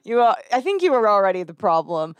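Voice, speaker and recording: A woman's voice: medium pitch, big pitch swings, fast, dry recording. Laughing Texan woman hosting a podcast. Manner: laughs often, playful. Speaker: podcast host. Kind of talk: casual chat.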